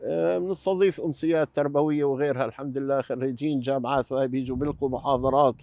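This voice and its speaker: A middle-aged man, speaking in a measured way with many fillers as he talks outdoors for an interview. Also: medium pitch, steady tone, creaky, no echo, dull audio. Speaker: mosque community representative. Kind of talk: interview answers. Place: outdoors beside a mosque.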